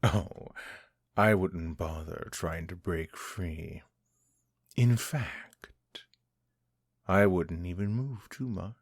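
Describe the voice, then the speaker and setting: An actor playing a cruel, centuries-old vampire lord who taunts his captive, speaking in a husky, condescending way. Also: low voice, dry recording, studio quality, exaggerated voice. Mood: taunting. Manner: taunting, condescending, slow and deliberate. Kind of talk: audio drama, one-sided dialogue.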